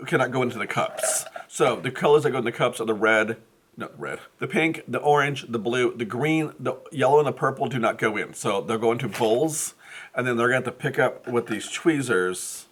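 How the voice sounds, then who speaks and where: A man's voice: mid-range voice, moderate pace, fairly bright tone, slight background noise. A man who teaches first grade, chatting casually to his vlog camera, rambling and correcting himself as he thinks aloud. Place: school classroom.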